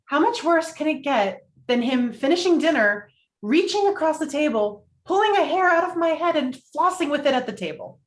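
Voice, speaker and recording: A woman playing a frank, opinionated single friend, quick to get indignant, in a film comedy table read. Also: high-pitched, big pitch swings. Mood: sympathetic, wry. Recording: roomy, echoing home recording.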